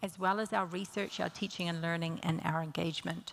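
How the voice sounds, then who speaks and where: A woman speaks in a New Zealand accent at a medium pitch. Her intonation is fairly even. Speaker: university gender equality lead. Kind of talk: conference panel talk. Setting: conference with audience.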